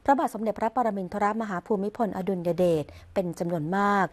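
In a formal broadcast voice-over, a female news reader presents the royal court news in a mid-range voice. She keeps her delivery measured, even and ceremonious from start to finish, with the steady, scripted rhythm of an official bulletin.

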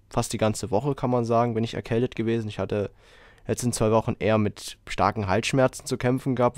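A man hosting a casual podcast while he has a cold, talking in a rambling, relaxed way with lots of fillers. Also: on the low side, dry recording, studio quality. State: has a cold, hoarse throat. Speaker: podcast host.

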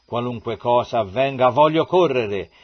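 A man's voice: mid-range voice, moderate pace, husky, lightly acted. A man voicing an eager young male messenger who pleads and reports with urgency, in a dull lo-fi recording.

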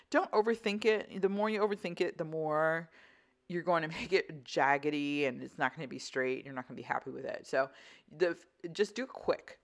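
A woman instructor talking through an art tutorial in a casual, conversational, explanatory way. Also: sits low. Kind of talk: casual voice-over craft tutorial.

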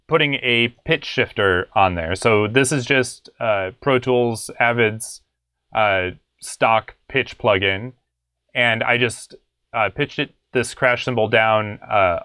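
A man's voice: medium pitch, a bit bright, no echo, clean studio sound. A young adult man hosting a casual music production tutorial, explaining in a laid-back, conversational way. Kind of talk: casual screen-share tutorial. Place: small home studio room.

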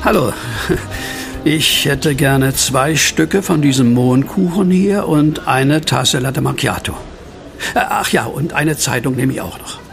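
A brooding narrator telling his own horror tale in an audio drama. His medium-pitched voice has a marked creak, and he speaks in measured, earnest phrases over music. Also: animated. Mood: friendly. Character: brooding male narrator, former asylum patient fearing werewolves.

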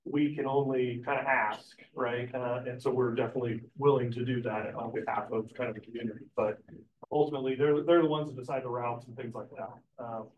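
A man's voice: mid-range voice, steady tone, fairly quick, a little hiss or hum. A man representing a developer, answering public questions casually with lots of "you know" and "um". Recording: dull, echoey, distant room recording.

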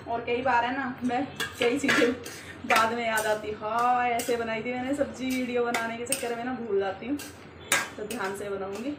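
This woman talks her viewers through a home cooking session step by step, casual and full of fillers, in a kitchen and on a rooftop. She's a vlogger whose slightly high voice keeps a fairly even intonation at normal speed. Heavy background noise and an echoey room fill the audio.

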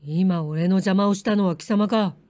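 A woman's voice: mid-range voice, moderate pace, a little mellow, no room sound, natural voice. A woman voicing an arrogant spoiled young lord who scolds harshly in a samurai-era story. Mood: furious.

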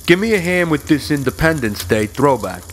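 A man's voice: on the high side, very animated, normal speed, soft background music. A man doing playful comedic banter and impressions. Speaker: comedy co-host.

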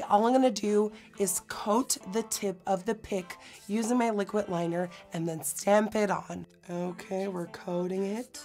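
A young woman with a hoarse, recovering voice and a Dutch accent, chatting dramatically through a makeup tutorial in a studio. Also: medium pitch. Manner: bubbly, dramatic, self-mocking. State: hoarse from illness. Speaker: beauty vlogger. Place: indoor studio set.

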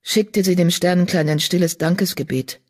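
Husky woman narrating an audiobook. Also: lowish voice, steady tone, normal speed, darkish tone. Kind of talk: scripted narration.

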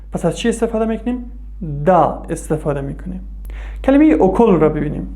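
A man's voice: fairly high pitch, darkish tone. A man from Afghanistan, a native Dari speaker, hosting a scripted language lesson and explaining patiently, asking questions and answering them himself. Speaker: language teacher and host.

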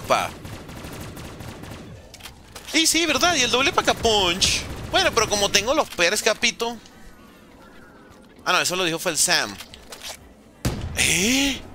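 Un hombre joven que transmite en vivo un videojuego, bromeando y respondiendo mensajes del chat en tono casual. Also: male voice, fairly high pitch, sharp tone, a little hiss or hum. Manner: joking, reads and answers chat messages. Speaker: gaming streamer. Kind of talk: casual live-stream chat.

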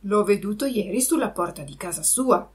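A woman voicing a sly, lame male fox who coaxes smoothly in a storybook reading. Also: medium pitch, lively intonation, moderate pace, lightly acted.

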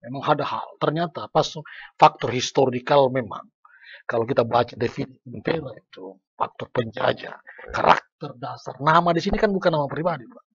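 A man's voice: medium pitch, moderate pace, a bit bright, slightly rough, no room sound, muffled recording. A middle-aged man, a sociologist, talking earnestly in a podcast discussion and lecturing as he reframes his points. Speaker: sociologist guest. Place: small podcast studio. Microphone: desk mic on stand.

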